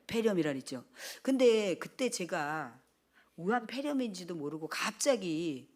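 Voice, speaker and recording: Speaking in a mid-range voice, an older female pastor recounts her story as a sermon testimony. Her delivery is animated and lively, and she performs the voices in quoted lines.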